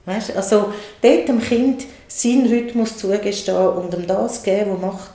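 A woman with a Swiss German accent calmly explaining how to soothe and talk to small children in a casual conversation. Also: medium pitch, normal speed, echoey room. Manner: calm, explanatory, acts out soothing words to a baby.

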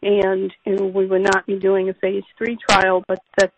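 A woman executive giving measured, careful, formal answers to analysts on an earnings call. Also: medium pitch, monotone. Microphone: conference call line. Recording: dull lo-fi conference call with hiss.

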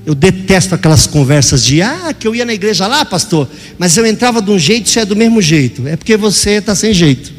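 An older man preaching a sermon as pastor, dramatic, acting out voices and sometimes shouting. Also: high voice, big pitch swings, fairly quick, few pauses, big-room sound, soft background music.

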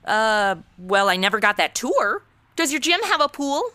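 Casting: flippant modern young woman played by an actress, lively swooping delivery, bright tone, wisecracking audio-comedy sleuth. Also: on the high side, moderate pace, no room sound. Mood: breezy, distracted. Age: 20s. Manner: sarcastic, breezy, easily sidetracked. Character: flippant modern twenty-something woman playing amateur detective. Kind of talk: comedy audio drama, wisecracking first-person narration.

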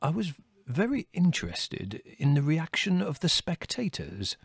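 A man voicing an earnest, hesitant, scholarly gentleman, full of uhs, in a storybook reading. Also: on the high side, wildly swooping pitch, measured pace, vocal fry, breathy edge, dry recording, studio quality, voice pushed up, full character voice. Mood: earnest relish. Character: earnest, proud, scholarly older gentleman with scientific relish. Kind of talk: audiobook character voice.

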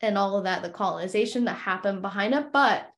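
A woman's voice: medium pitch, fast talker, fairly bright tone. Chatty young woman podcast host. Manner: chatty, many fillers and restarts. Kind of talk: casual interview chat.

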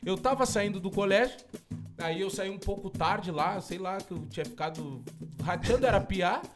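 A man with a southern Brazilian accent telling a story in casual podcast chat, animated and laughing. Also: high-pitched, moderate pace, over music. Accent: Rio Grande do Sul Portuguese. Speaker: podcast co-host.

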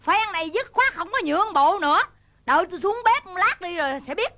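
An actress with a Southern Vietnamese accent playing a sharp-tongued, stubborn wife in a comic radio play, scolding and mock-threatening. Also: female voice, very high-pitched, lively intonation, fairly quick, heavily acted.

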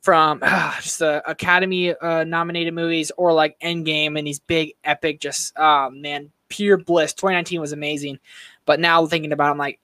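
A young man co-hosts a podcast in loose, animated chat, his voice a little high and bright. He talks in slang and laughs often. The sound is close and dry. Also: dry recording. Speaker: podcast co-host. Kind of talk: casual chat.

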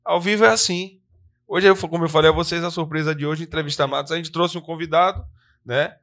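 A man co-hosting a live podcast, a police soldier, talking in a lively, chatty way and often tagging his sentences with questions. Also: fairly high pitch, fairly quick. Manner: lively, talkative, often tags "né?".

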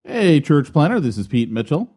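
A man's voice: fairly high pitch, big pitch swings, normal speed, warm tone, breathy edge, soft background music. A man co-hosting a podcast, joking and self-deprecating in casual banter before asking the guest questions. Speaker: podcast co-host.

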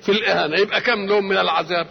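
A man's voice: sits high, steady tone, very fast, creaky, in a large hall, highs cut off. An older man with an Egyptian Arabic accent giving a Quran commentary lecture, who keeps asking rhetorical questions and answering them himself. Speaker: religious scholar.

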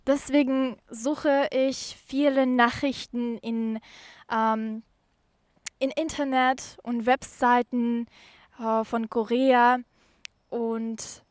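Female podcast guest, high voice, halting delivery, dry close recording. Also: steady tone, a little mellow, no room sound. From Ukraine. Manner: halting, careful non-native phrasing. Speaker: podcast guest, career mentoring volunteer. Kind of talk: interview answers.

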